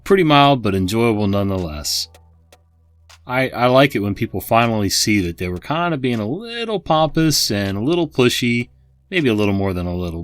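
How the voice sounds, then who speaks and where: A man narrates stories in a lively voice that rises and falls freely. He breaks off now and then for casual remarks to his viewers, with soft music under him. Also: on the low side. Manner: animated storytelling, chatty asides to viewers. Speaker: host and narrator. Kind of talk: reading online stories aloud with asides.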